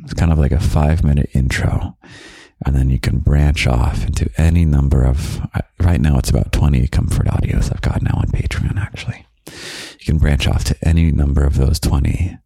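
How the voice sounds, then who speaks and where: A young man hosting a podcast of gentle, half-whispered comfort talk, slow and soft with quiet chuckles, close to the microphone. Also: extremely low pitch, steady tone, dry recording. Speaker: podcast host.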